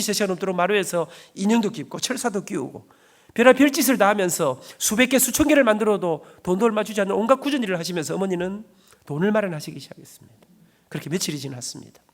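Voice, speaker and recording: Brief: middle-aged church elder telling an emotional testimony; high, quick voice. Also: male voice, expressive. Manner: dramatic storytelling, emotional. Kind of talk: sermon testimony.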